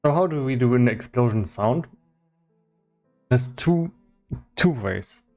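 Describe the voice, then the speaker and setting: Male streamer, mid-pitched, unhurried and halting, casual work-along commentary over background music. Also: expressive. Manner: thinking aloud, halting. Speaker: streamer and game developer. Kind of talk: casual livestream commentary while working. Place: indoors in his own room.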